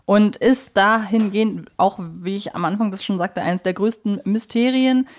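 A woman's voice: medium pitch, normal speed. A woman co-hosting a podcast in a casual, conversational discussion. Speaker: podcast co-host.

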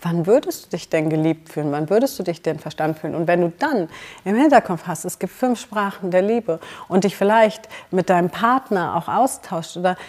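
A woman's voice: lowish voice, expressive, fairly quick, darkish tone. A German woman hosting a podcast, coaching the listener in an encouraging, direct way. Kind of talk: motivational podcast talk.

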